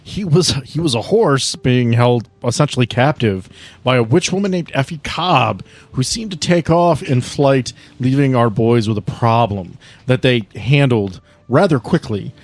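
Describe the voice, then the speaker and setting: A man's voice: mid-range voice, animated, measured pace, no echo. A man in his thirties hosting a tabletop game podcast, chatting casually and recapping the story as game master. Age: 30s.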